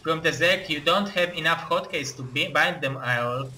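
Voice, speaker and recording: A young man with an Eastern European accent, giving live play-by-play game commentary in halting, excitable non-native English. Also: a little high, slight background noise, poor audio. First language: not English.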